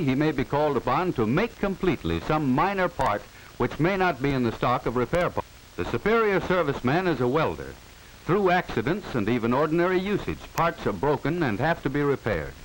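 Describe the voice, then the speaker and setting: An American man with a fairly high voice reads scripted narration for a 1940s educational film. His delivery is formal, instructive, and clearly enunciated. The old soundtrack is low quality, with a steady hiss throughout.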